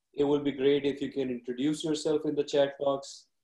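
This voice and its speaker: A man's fairly high pitch and dark, mellow tone in a monotone, flat delivery at a moderate pace, with audible room echo and light background noise. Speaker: physician and webinar moderator; webinar moderator. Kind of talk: webinar moderation. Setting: video call. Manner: formal. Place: home room. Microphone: webcam.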